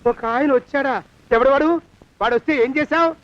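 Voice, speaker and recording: A stingy, suspicious old master in a classic film, talking high and fast as he blusters and scolds. The sound is dull and lo-fi. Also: fairly even intonation. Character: stingy scheming older man, bossy and jealous.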